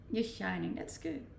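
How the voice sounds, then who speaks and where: Danish woman, gravelly voice, roomy stream. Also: on the low side, slight background noise. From Denmark. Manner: relaxed, reads questions aloud then answers. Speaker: streamer answering chat questions. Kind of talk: casual chat. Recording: roomy, distant-mic home stream.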